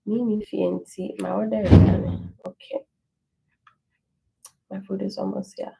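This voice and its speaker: A woman teaching a language lesson, reading through an ebook page by page and slowly repeating phrases to encourage learners. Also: mid-range voice, level tone, creaky, warm tone, breathy edge, rough recording.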